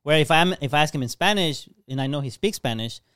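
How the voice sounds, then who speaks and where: A man on a casual podcast explaining his view calmly, step by step. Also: fairly high pitch, smooth, no echo, studio quality. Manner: measured, reasoning step by step. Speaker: podcast co-host.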